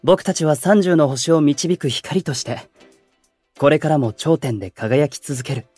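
An actor playing a calm, gentle young male idol who keeps the peace in a Japanese voice drama, speaking politely and with composure. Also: a little high, measured pace, slightly rough, soft background music. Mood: serene, confident. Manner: soft-spoken, composed, polite and reflective. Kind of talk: Japanese anime-style voice drama acting.

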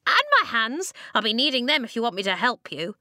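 A woman voicing a pompous, cranky man made of rocks in a children's audiobook, with a high, reedy, creaky voice and a tart, complaining manner. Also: expressive, brisk, pushed and bright, no room sound, clean studio sound. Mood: fussy, bossy. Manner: tart, snapping, haughty complaining.

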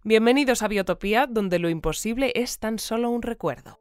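A woman's voice: a little high, fairly quick, smooth, lightly acted. A woman playing a composed but easily puzzled radio newsreader in an audio fiction, presenting in a formal announcing manner. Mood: formal, solemn. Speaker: news presenter. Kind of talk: scripted radio bulletin and interview in audio fiction.

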